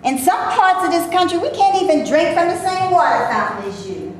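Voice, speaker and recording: Female reader as a sharp-tongued black actress who scolds and mocks; a high, animated voice with heavy room echo. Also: fairly quick. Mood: scornful. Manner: scornful, sharp. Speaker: actor in a staged reading. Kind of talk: staged play reading. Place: stage before a live audience. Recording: very echoey room, faint noise.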